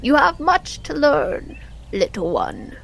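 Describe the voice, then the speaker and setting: A woman's voice: high-pitched, wildly swooping pitch, takes it slowly, creaky, fairly bright tone, pitched above the performer's own voice, exaggerated voice, low-quality recording. A woman voicing a stern, stuffy intergalactic turtle professor who lectures solemnly in an audio-drama tabletop game, with music behind. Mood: patient, admonishing. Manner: stick-in-the-mud, solemn lecturing.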